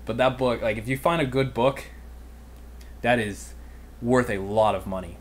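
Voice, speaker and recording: A twenty-something American man hosts an online business livestream, mentoring viewers and answering their questions in a casual, slangy, youthful way. His voice is mid-range at a moderate pace, with slight background noise.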